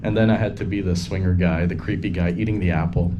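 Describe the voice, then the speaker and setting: A man's voice: deep voice, fairly even intonation, fast talker, muffled recording. A man hosting a casual screening discussion, joking and self-mocking, recorded on a handheld phone in a venue. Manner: playful, camp self-mocking. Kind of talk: casual onstage interview. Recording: phone recording with background noise.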